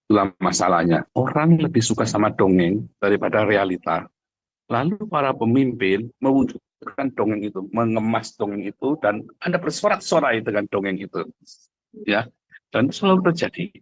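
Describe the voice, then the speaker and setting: Husky man preaching emphatically. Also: fairly low pitch, lively intonation, moderate pace, no echo, muffled recording. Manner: repeats phrases for emphasis, addresses listeners directly. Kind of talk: livestream sermon, conversational and emphatic.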